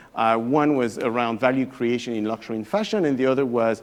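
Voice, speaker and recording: A man at medium pitch with a French accent. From France. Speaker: business school professor. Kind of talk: lecture. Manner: halting.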